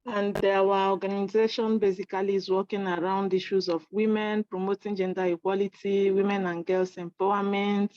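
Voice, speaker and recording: Brief: Nigerian woman academic, earnest and measured, dry lo-fi call line. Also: medium pitch, little pitch movement, a little mellow, dry recording. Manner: earnest, measured, slightly hesitant. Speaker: lecturer and NGO director. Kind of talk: formal self-introduction on a call. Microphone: video call.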